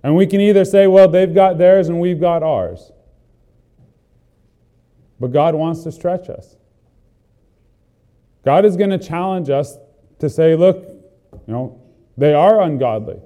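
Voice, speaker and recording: Earnest preacher with a dark voice. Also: male voice, fairly high pitch, a little slow, long pauses. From not from the country he is preaching in. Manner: earnest, building emphasis with repeated phrases. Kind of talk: sermon.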